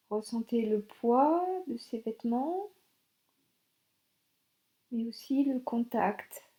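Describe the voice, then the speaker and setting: Female meditation guide, fairly high register, warm relaxed timbre, short spaced-out instructions. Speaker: yoga nidra instructor.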